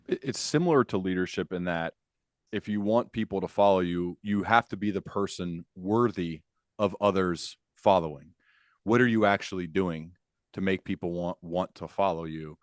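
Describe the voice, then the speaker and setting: A man's voice: deep voice, moderate pace, no echo, clean studio sound. A man hosting a conversational interview, speaking earnestly and repeating phrases for emphasis. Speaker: podcast host, interviewer.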